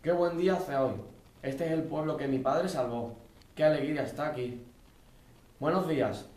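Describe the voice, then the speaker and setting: A teenage boy acts out scripted lines. His voice is a touch high, in an echoing classroom. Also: moderate pace, darkish tone. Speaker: student acting in radio play. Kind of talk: scripted dialogue. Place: school classroom.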